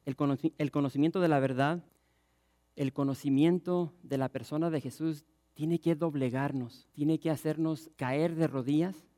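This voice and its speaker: A man preaching a passionate sermon as pastor, reading scripture and acting out the crowd's shouts. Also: a little high, steady tone, moderate pace.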